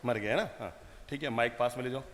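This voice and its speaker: Male monk preacher, bright forceful voice, animated sermon, long hall reverb. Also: mid-range voice, fast, slight background noise. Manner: animated, rhetorical questions, acts out family scenes. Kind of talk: sermon to a live audience.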